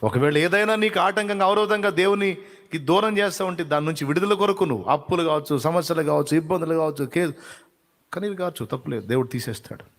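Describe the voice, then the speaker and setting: A man's voice: a little high, very fast, fairly bright tone, in a large hall. A male preacher giving a devotional sermon, fervently pleading in prayer to God. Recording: clear background music under the voice.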